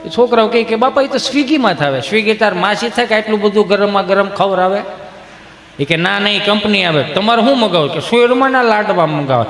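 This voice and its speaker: Comedian in an echoey hall. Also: male voice, brisk. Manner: animated joke-telling, jumping into high-pitched voices for mothers and children. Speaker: stand-up comedian. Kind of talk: Gujarati folk comedy storytelling on stage. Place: large hall before a live audience. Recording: echoey hall with faint ambience.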